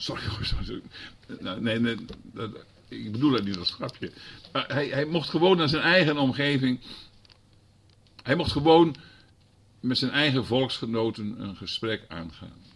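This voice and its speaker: A man preaching a sermon who moves from quiet explaining to loud, fervent passages and keeps asking the congregation rhetorical questions. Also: medium pitch, expressive, normal speed, slightly rough. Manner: conversational asides.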